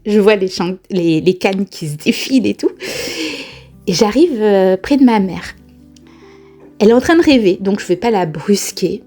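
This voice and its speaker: A woman vlogger telling a personal spiritual experience in a casual, lively way, often laughing and exclaiming. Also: mid-range voice, normal speed, long pauses, faint music behind. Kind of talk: casual first-person storytelling.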